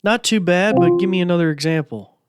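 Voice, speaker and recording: A podcast host rambles casually while demoing a gadget, his speech full of fillers. His voice sits high and moves fairly quickly, with loud music playing behind him.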